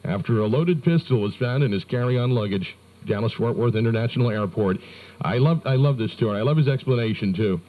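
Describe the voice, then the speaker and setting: An American man hosting morning radio, reading news with wry, joking asides in a deadpan delivery. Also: mid-range voice, brisk. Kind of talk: comic news banter on rock radio. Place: radio studio. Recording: narrow-band 1990s radio aircheck.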